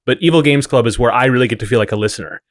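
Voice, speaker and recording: A man's voice: medium pitch, rapid-fire, no room sound, studio quality. A man co-hosting a podcast in casual chat, with a wry, rambling way of explaining things. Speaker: podcast co-host.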